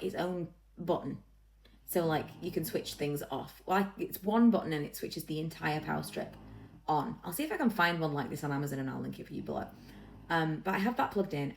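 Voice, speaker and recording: A woman's voice: low-pitched, gravelly, slight background noise, low-quality recording. A woman vlogging casually, rambling in a self-deprecating way and repeating phrases for emphasis. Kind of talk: casual chatty vlog to camera.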